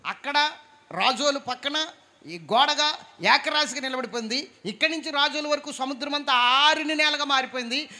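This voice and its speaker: A pastor preaching a sermon, fervent, swinging from quiet storytelling to loud exclamations and calls for praise. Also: male voice, very high-pitched.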